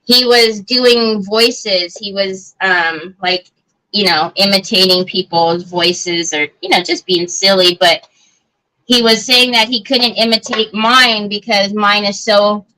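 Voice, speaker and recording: Woman chatting on her craft livestream, slow and easy, bright voice, lots of ums. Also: mid-range voice, steady tone, poor audio. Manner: chatty, answers viewer comments, many fillers and restarts. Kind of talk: casual chat while crafting live.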